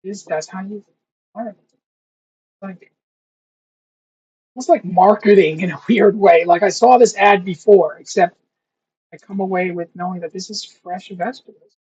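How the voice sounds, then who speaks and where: A young man thinking aloud in a casual study vlog, rambling and slowly sounding out foreign words. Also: high-pitched, darkish tone, breathy edge. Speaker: language learner vlogger. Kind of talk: casual self-talk while studying. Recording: dull lo-fi recording.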